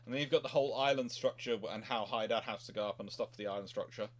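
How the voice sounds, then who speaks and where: A man's voice: lowish voice, very fast. A man hosting a casual history chat, rambling and digressive, often interrupting his own sentences. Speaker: host, naval historian.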